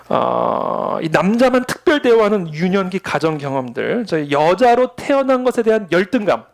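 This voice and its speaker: This pastor's voice sits high and sounds gravelly as he gives a Sunday sermon. He tells stories throughout, taking on the voices of the people he quotes.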